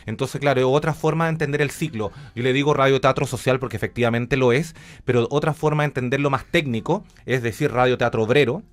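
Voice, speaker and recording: A man's voice: mid-range voice, fast talker, few pauses. Reflective Chilean man in a radio interview. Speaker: interview guest, journalist and radio theatre director.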